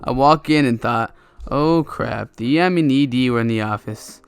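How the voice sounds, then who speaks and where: A man's voice: mid-range voice, normal speed, clear, resonant tone, no room sound. A young man reading online stories aloud in a casual way, with laughing, stumbling asides. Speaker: reddit story narrator. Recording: soft music bed under voice. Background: quiet background music.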